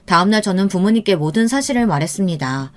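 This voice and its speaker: A woman narrating a true-life story in the first person, in a steady, earnest scripted reading. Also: medium pitch, fast.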